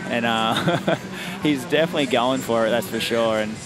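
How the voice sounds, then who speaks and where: A man's voice: medium pitch, normal speed, crowd noise, rough recording. A man commentating on a surf contest in an enthusiastic, chatty way. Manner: enthusiastic, chatty, laughs often. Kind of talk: sports commentary.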